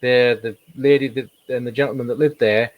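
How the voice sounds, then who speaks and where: A man with a slightly hoarse voice, chatting casually as an interview guest and telling anecdotes with emphatic repetition. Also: mid-range voice, steady tone, brisk, dull audio. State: slightly hoarse, losing his voice. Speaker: paranormal investigator, interview guest.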